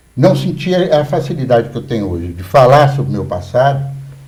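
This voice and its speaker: A man speaks at a fairly quick pace with a dark, mellow tone and some vocal fry. His pitch sits fairly high, and the room echo is audible. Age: 60s. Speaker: former political prisoner, artist. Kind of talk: interview testimony.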